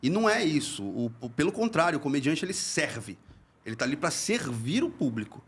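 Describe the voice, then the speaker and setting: A man's voice: a little high, very animated, brisk, fairly bright tone, slightly rough. Earnest man explaining comedy craft. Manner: earnest, explanatory, repeats words while searching. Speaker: comedy teacher and podcast host. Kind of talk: casual chat.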